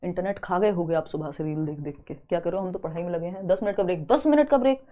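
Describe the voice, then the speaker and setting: A young woman teaching a live online exam-prep class, chatty and teasing, slowly spelling out word examples. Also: fairly low pitch, fairly even intonation, dull audio. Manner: chatty, teasing students between explanations.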